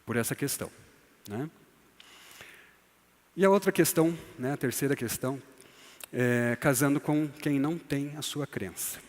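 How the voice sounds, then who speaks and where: In a church hall full of long reverb, a man leads a couples course, speaking a little slowly with long pauses in a medium-pitched, darkish voice. He's conversational, often tagging his lines with "né?" and acting out quoted voices.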